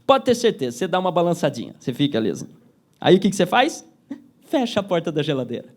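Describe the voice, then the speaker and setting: High-voiced Brazilian man lecturing lively. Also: quick pace. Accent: Brazilian Portuguese. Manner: lively, asks the audience yes-or-no questions, acts out little scenes. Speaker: speaker giving a motivational talk. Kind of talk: interactive motivational lecture.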